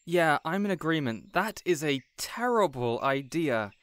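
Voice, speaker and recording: A man playing a weary, reasonable young supervillain boss in a scripted audio roleplay, hesitant yet measured and exasperated. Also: fairly high pitch, very animated, a bit bright, smooth, dry recording. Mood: exasperated, firm.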